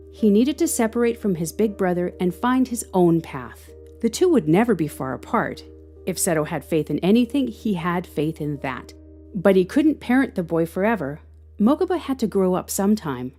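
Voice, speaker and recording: A woman reading scripted fiction as an expressive audio drama narrator. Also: mid-range voice, normal speed, faint music behind.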